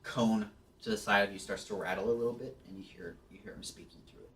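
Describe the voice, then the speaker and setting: A man's voice: fairly low pitch, quick pace, a bit bright. A man narrating a tabletop game as game master, hesitant and full of restarts. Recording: distant mic, faint background noise.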